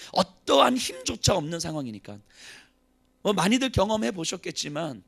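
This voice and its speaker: A man pastor preaching an emotional sermon at a church service, swinging between loud pleading and hushed, near-whispered lines. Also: sits high, gravelly, husky.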